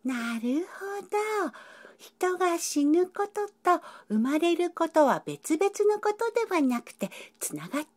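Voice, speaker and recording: A woman's voice: very high-pitched, very animated, unhurried, a little mellow, heavily acted. A woman voicing a curious young cat who eagerly asks polite questions. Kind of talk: educational dialogue.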